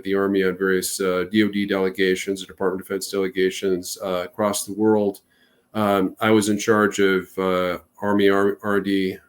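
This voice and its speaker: A lower-voiced American man in his fifties talks through his answers as an interview guest. He leans hard on fillers like "uh" and "um" and often backs up mid-sentence to rephrase. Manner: hesitant, many uh and um fillers, restarts. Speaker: national security strategist guest. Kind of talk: interview answers, recounting career.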